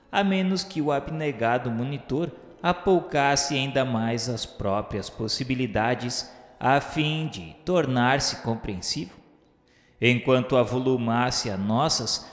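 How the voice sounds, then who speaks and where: Solemn Brazilian male narrator, cavernous reverb. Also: medium pitch. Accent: Brazilian Portuguese. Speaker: narrator of a radio novel. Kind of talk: solemn dramatic scripted narration. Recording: very echoey hall reverb over music. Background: background music.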